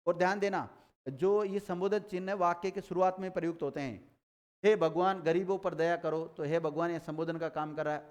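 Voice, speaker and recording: A man teaching a grammar lesson, explaining rules and quizzing students with quick repeated questions. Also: sits high, smooth.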